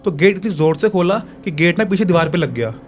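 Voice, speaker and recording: A young man, a podcast guest, telling a long personal story in casual, animated speech, with crude slang and acted-out moments of fear. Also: high-pitched, quick pace.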